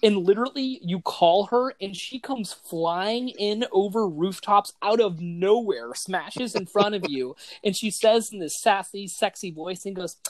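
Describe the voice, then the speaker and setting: A man hosting a casual gaming podcast, talking excitedly and enthusiastically in loose slang. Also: sits high, measured pace, few pauses, no room sound. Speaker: podcast host.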